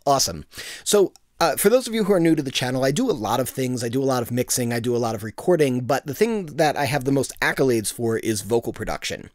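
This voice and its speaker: A man with a bit of gravel in his voice, teaching vocal production in a casual, self-deprecating tutorial on a studio microphone. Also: medium pitch, dry recording. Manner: relaxed, self-deprecating explainer.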